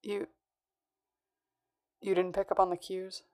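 A woman's voice: mid-range voice, little pitch movement, slow, darkish tone, natural voice. A woman playing a tough, sardonic, wisecracking crime boss in a noir audio drama, with a clipped, threatening manner. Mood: wry. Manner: sardonic, hard-boiled, clipped.

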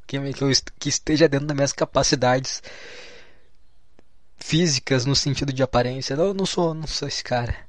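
A man's voice: mid-range voice, brisk, long pauses, no room sound. A young adult man with a Brazilian Portuguese accent, talking casually and bluntly in a monologue, swearing often and reading passages aloud before commenting on them. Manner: blunt, swears often, says "cara" a lot; reads aloud from a book then comments. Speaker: vlogger.

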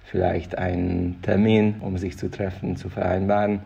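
A man's voice: low voice, flat delivery, moderate pace, gravelly, dark tone, breathy edge, dull audio. A man from Hungary, answering interview questions earnestly and sometimes repeating words as he searches for phrasing. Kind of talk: thoughtful personal interview answers.

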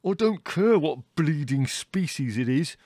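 A man's voice: fairly high pitch, expressive, measured pace, a little mellow, dry recording, studio quality, pitched above the performer's own voice. A man voicing an irate young man who snarls and swears at his family. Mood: furious.

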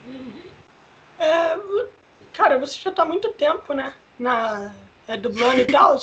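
A woman's voice: high voice, measured pace, a bit bright, highs cut off. A Brazilian woman interviewing a guest in a casual, slangy, eager way. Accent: Brazilian Portuguese.

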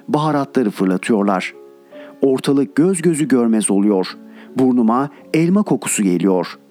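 A man narrating a reflective, scripted first-person account. His pitch moves up and down a lot as he tells it. Faint music plays softly underneath. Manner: reflective, recounting a dream then lamenting hard times.

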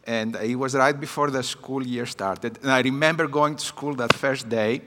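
A Greek man of about fifty, a native Greek speaker with a Greek accent, gives a personal talk as a guest missions speaker at a church conference, hesitating with many fillers. His mid-range voice is pushed and bright at normal speed, with a long reverb tail from the church hall.

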